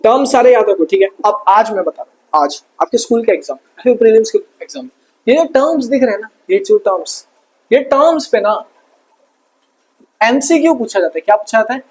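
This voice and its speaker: Young guy teaching online, high husky voice, keeps quizzing you on the terms. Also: expressive, fairly quick, a little mellow, low-quality recording. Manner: repeats terms as quiz questions, joking asides. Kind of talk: online lesson.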